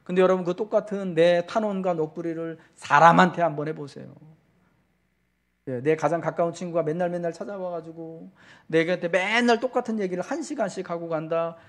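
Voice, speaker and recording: A male pastor delivering a Sunday sermon, talking straight to the congregation with repeated questions and swelling, slowed-down emphasis on key words. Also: sits high. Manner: fervent preaching that slows and swells for emphasis.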